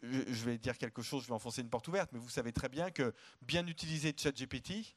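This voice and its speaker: A man's voice: mid-range voice, fast. A man speaking as an economist guest in a live stage interview at a conference, outspoken and emphatic, often repeating words as he starts a thought. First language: French.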